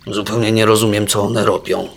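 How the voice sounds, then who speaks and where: Male reader as a lazy male fum, storybook: sulky, touchy, gravelly. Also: on the low side, little pitch movement, fairly quick, slight background noise. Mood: bored. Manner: sulky, easily offended.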